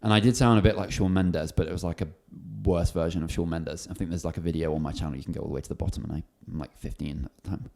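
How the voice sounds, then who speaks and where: A man's voice: low-pitched, fairly even intonation, creaky, dark tone. A man in his twenties, chatting casually and jokily as the channel host. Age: 20s. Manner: chatty, joking, fast. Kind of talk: casual Q&A chat.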